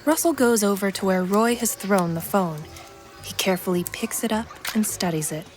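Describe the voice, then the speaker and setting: A woman's voice: mid-range voice, normal speed. A woman reading scripted present-tense story narration for an action fiction podcast. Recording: prominent music bed under narration.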